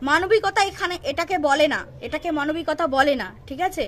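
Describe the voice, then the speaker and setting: A woman's voice: high voice, a little fast, a bit bright. A woman giving unscripted roast commentary, confrontational and scolding, repeating herself and firing rhetorical questions. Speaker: YouTube commentary creator.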